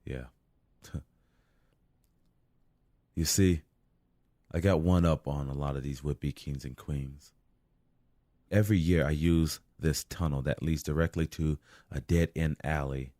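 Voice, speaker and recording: A man's voice: a bass voice, steady tone, slow, long pauses, dark tone, no echo, clean studio sound. An actor playing a weary, wry, street-smart man surviving a deadly night, muttering and sighing through an audio drama monologue. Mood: wry, confiding.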